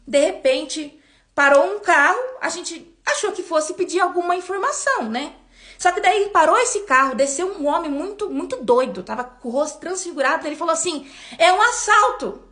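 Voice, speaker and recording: A woman in her twenties with a Brazilian accent, telling a personal faith testimony as a church member, with animated storytelling and repeated words. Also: extremely high pitch, moderate pace. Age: 20s.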